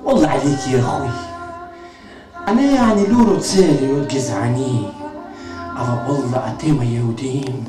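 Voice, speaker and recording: A man's voice: medium pitch, animated, long pauses, distant mic, close to an everyday voice. An actor on stage playing a brash, blunt Arab man who speaks. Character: boisterous Arab man, the boy's friend. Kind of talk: one-man stage comedy. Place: theater stage. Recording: roomy theater sound from afar, music.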